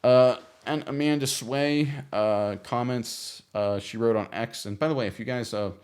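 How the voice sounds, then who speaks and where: A man's voice: medium pitch, unhurried. A man hosting a sports show, casually talking through viewer comments with frequent restarts and fillers. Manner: chatty, frequent restarts and fillers, animated when retelling.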